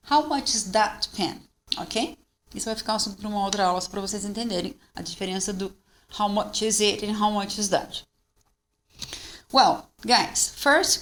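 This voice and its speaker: This is a Brazilian woman with a Brazilian Portuguese accent, teaching an English lesson. She switches between explanation and slow, careful model phrases. She often pauses to check that her students are following. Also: mid-range voice, fairly bright tone. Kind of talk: bilingual classroom lesson.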